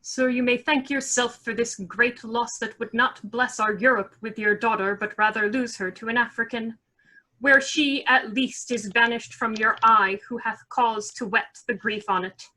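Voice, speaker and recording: Sharp-tongued scheming lord, played by a woman, bright forceful tone, dry sarcasm, Shakespearean radio play. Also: fairly high pitch, fairly even intonation, moderate pace, low-quality recording. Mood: accusing.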